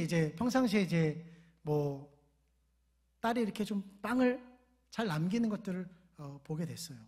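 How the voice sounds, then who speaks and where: A man's voice: on the high side, darkish tone, husky. A middle-aged male pastor giving a sermon in a conversational way, telling everyday family stories and asking the congregation to repeat after him. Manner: conversational preaching with everyday stories and call-and-response.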